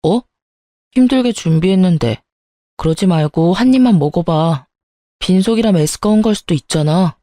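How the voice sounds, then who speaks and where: A woman voicing a petty, calculating young husband in a read-aloud story, sulky and accusing, quick to shout. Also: lowish voice, animated, dry recording, studio quality, natural voice. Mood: wheedling, sulky.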